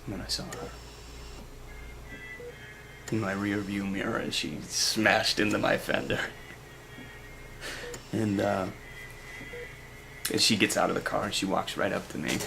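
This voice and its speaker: A man playing a grieving, brooding asylum director in a fan web drama, speaking in a halting, deliberate way. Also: fairly low pitch, flat delivery. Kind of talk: acted dramatic monologue in a fan web series. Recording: clearly noisy amateur recording with ambience.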